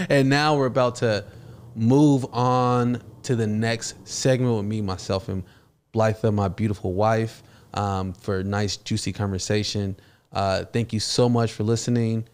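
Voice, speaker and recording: A man hosting a podcast in relaxed, casual chat, laughing often. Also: fairly low pitch, a little slow, clear, resonant tone. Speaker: podcast host.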